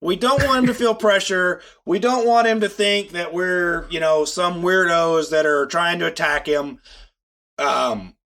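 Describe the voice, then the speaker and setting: A man co-hosting a podcast whose voice sits high for a man and sounds nasal and stuffed up from a cold. He talks in an earnest, upbeat way to his listeners. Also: measured pace, sharp tone. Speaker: podcast co-host. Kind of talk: casual podcast chat.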